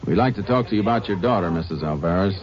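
A man playing a calm, matter-of-fact Texas Ranger who also narrates the story. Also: sits low, very fast. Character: steady Texas Ranger lawman. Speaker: narrator and lead. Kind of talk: 1950s radio drama narration. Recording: dull old radio broadcast with music.

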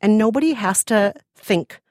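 A woman's voice: medium pitch, expressive, normal speed, a little mellow, no echo, studio quality. A woman with a Minnesota accent, chatting enthusiastically as a podcast guest. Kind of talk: casual interview chat.

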